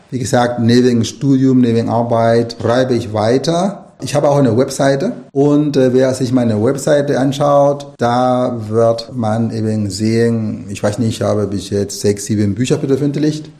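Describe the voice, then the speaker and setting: A middle-aged man from Nicaragua, whose first language is Spanish, answers interview questions at a thoughtful, meandering pace, restarting his sentences. His voice is gravelly and dark. It sits at an ordinary pitch. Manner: thoughtful, rambling, many restarts and fillers. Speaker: author and language lecturer.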